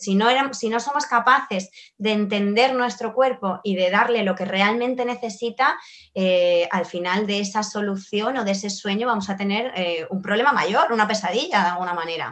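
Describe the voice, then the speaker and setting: A woman with an unremarkable speaking voice talks at a moderate pace, medium in pitch with ordinary pitch variation. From Spain, raised from childhood after birth in Argentina. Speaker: nutritionist. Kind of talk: interview.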